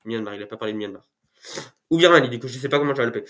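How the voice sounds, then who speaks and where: A man's voice: mid-range voice, lively intonation, very fast, a bit bright, slight background noise. Male youtuber, chatty and goofy, self-mocking, a bit sniffly from a cold, talking to camera at home. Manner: rambling, joking, self-mocking asides. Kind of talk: casual talking-head video. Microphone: camera mic.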